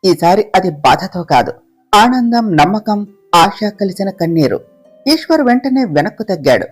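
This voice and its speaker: A storyteller reading a romance story aloud in a slow, even, gentle way. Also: mid-range voice, husky, soft background music. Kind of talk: scripted narration of a romance story.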